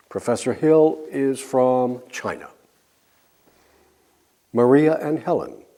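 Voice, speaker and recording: A man teaching an English lesson, drilling example sentences slowly and clearly with pauses for learners to answer. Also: mid-range voice, warm tone. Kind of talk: slow scripted language lesson.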